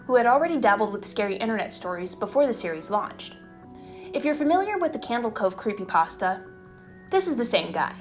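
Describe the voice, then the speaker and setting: A woman hosting and narrating a scripted video essay in a conversational way, leaning into dramatic emphasis. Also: medium pitch. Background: background music.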